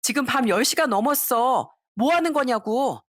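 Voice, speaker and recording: A woman voicing an angry wife who scolds her mother in sharp, accusing bursts in a storybook reading. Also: high-pitched, animated, moderate pace, no echo, clean studio sound, voice pushed up.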